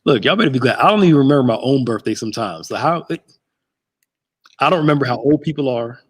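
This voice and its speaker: A man's voice: mid-range voice, animated, quick pace, slightly rough. A man in his thirties hosting a casual livestream chat, joking and greeting viewers by name. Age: 30s. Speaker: host.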